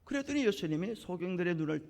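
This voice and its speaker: Animated high-pitched male preacher. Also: fast, creaky. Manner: animated preaching, acting out biblical dialogue with rising emphasis. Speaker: pastor. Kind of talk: sermon. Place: church sanctuary. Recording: long church hall reverb.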